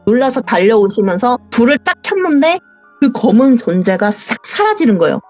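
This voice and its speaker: Animated woman caller on a muffled line. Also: a little high, moderate pace, faint music behind. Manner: vivid, acts out the dialogue. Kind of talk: telling a true ghost story. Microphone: voice call. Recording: dull lo-fi voice call.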